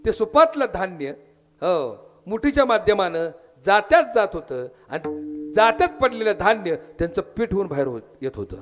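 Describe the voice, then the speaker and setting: A man's voice: sits high, very animated, moderate pace, music in the background. A man with a Marathi accent preaching a devotional kirtan sermon, telling a story, voicing its characters and breaking into sung verses. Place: temple hall with audience.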